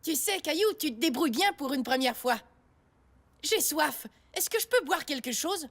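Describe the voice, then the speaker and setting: A woman's voice: high-pitched, expressive, normal speed. A woman voicing a confident, breezy older boy in a children's cartoon, upbeat and encouraging to a younger playmate. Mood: confident, helpful. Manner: upbeat, self-assured, encouraging.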